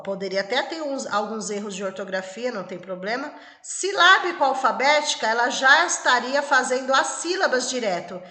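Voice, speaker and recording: A woman's voice: a little high, pushed and bright. A woman teacher with a Brazilian Portuguese accent giving an exam-prep lecture, explaining step by step and checking in often with "tá?" and "ok?". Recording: echoey room with long reverb.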